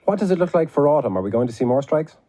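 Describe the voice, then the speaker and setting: A man's voice: fairly high pitch, big pitch swings, racing, warm tone. A man hosting a radio interview and putting questions to a guest. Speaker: radio host. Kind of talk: broadcast interview.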